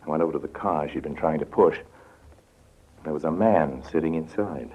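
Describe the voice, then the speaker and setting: A very deep-voiced suave con-man. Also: normal speed, mellow, husky, dull audio. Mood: wry. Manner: wry, confiding first-person narration. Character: suave cynical male con-man smuggler narrating. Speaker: narrator and lead character. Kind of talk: 1950s radio drama acting. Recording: old radio broadcast with faint hiss.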